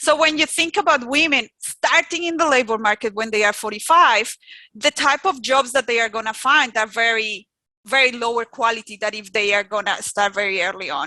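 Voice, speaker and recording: A woman with a bright, sharp tone and fairly high pitch talks at a fairly quick pace with lively intonation over a quiet background. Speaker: economist presenting research. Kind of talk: webinar presentation.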